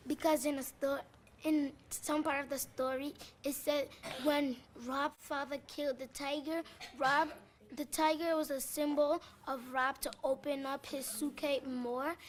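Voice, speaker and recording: Female student, high and flat, faint room noise behind. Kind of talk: classroom discussion.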